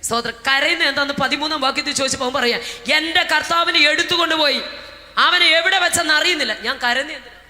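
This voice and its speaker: A woman's voice: sits high, fast talker. Woman preacher in a reverberant hall. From Kerala, India. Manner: swings between shouted tongues and soft, intimate storytelling; keeps interjecting praise words between phrases. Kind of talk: Pentecostal sermon with speaking in tongues. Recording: reverberant hall with music behind.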